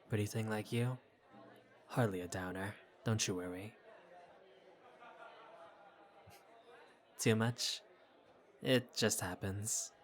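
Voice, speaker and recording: A man's voice: fairly low pitch, close to an everyday voice. A man playing a flirty, easygoing bartender who teases and chats with a patron in an audio roleplay. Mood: flirty, reassuring. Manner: playful, teasing, casual. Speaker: bartender character. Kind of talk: intimate audio roleplay, conversational acting.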